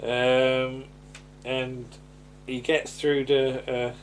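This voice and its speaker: A man's voice: mid-range voice, little pitch movement, very slow, slight background noise. A man, chatting casually and a little hesitantly as a podcast host recapping a TV show. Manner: hesitant, rambling, chuckling delivery. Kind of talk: casual chat recapping a television sitcom episode.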